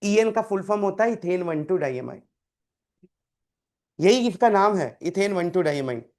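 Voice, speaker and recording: A man's voice: high-pitched, lively intonation, moderate pace, darkish tone. A man teaching a chemistry class, quizzing students by name and repeating key terms. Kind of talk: live classroom tutoring.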